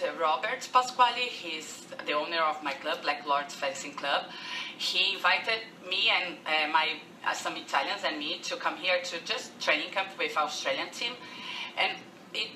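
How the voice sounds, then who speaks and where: A young woman from Brazil with a Brazilian accent, speaking careful, halting English with many restarts as a guest on a radio interview. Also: fairly low pitch, animated, sharp tone, reverberant, recorded from a distance, a little hiss or hum, low-quality recording. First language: Portuguese. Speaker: guest, fencer.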